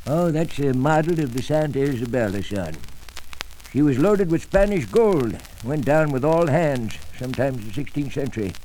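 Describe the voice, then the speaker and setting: A man's voice: mid-range voice, expressive, normal speed, dark tone, lightly acted, rough recording. A jovial old seaman with a white beard speaks in salty seafaring dialect, as a male narrator puts him on. He chuckles between lines in an old radio play. A faint hiss runs underneath. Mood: proud. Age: older. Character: old white-bearded sailor, hearty salty sea dog. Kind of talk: 1940s radio acting.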